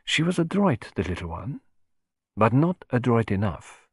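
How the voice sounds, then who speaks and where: A man's voice: medium pitch, very animated, measured pace, a little mellow, husky, no echo, clean studio sound. A man voicing a vain, fussy little male detective who speaks in a courtly, self-satisfied and precise way. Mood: musing.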